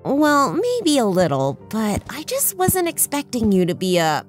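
Woman acting a lively, higher-voiced flustered assistant. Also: measured pace, soft background music. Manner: polite, hesitant, awkward. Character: eager, flustered young woman medical assistant. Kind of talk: audio drama acting.

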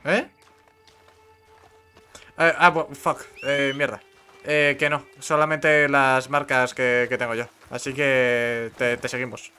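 A man's voice: mid-range voice, clear, resonant tone, faint music behind. A young Spanish man with a Madrid accent, chatting casually on a headset mic while streaming a co-op game, with many fillers and restarts. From Spain. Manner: relaxed, halting, with frequent fillers. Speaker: gameplay streamer. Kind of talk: casual co-op gaming chat.

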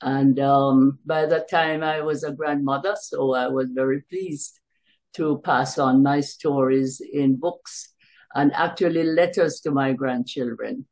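An older woman from Jamaica recounting her family history in an interview, hesitantly, with long pauses, on a video call from a room at home. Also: a bass voice, fairly even intonation, a little mellow, low-quality recording. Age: older, around 70s. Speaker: interview guest, author. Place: small bright room at home, indoors. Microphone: computer mic on a video call.

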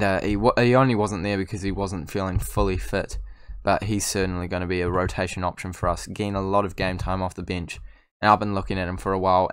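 A man casually commentating his own video game session, excitable and self-mocking, talking straight to his viewers. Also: fairly low pitch, clean tone, dry recording, clean studio sound. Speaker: gaming YouTuber. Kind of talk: casual let's-play commentary.

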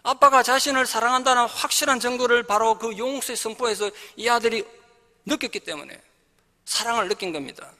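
A middle-aged male pastor delivers a sermon in a very high, bright, ringing voice. He tells a story vividly, switching into the voices of its characters and rising to firm exhortation. His voice carries a long church reverb. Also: brisk. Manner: storytelling, acting out dialogue of characters. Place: church sanctuary.

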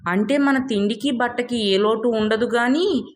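A woman's voice: a little high, a little slow, a little hiss or hum, natural voice. A woman voicing a grudging village wife who wants luxury in a moral tale, pointed and complaining. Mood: disappointed.

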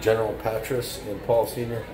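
A man's voice: on the low side, little pitch movement, brisk, crowd noise, rough recording. An older man casually narrating a walking tour of a restaurant, chatting as he points things out, filmed on a handheld phone. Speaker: vlogger touring a venue. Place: restaurant and bar, indoors.

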